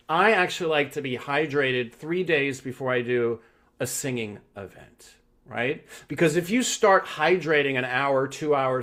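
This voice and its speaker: Male vocal coach, unhurried and a little high-voiced, teaching live online, checks in with "right?". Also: a bit bright.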